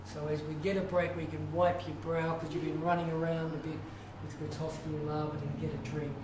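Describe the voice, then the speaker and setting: A man coaches his acting class, encouraging and drawn-out. His voice sits a little high. He is heard from across an echoey, noisy studio. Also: flat delivery. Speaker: acting teacher. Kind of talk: guiding a class warm-up. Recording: echoey room, distant mic, noisy.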